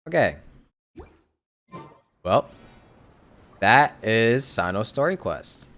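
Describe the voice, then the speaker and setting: A man's voice: lowish voice, sing-song, very slow, fairly bright tone. A man streaming a video game, casual and laid-back. He laughs often and answers his chat. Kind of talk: casual live-stream commentary.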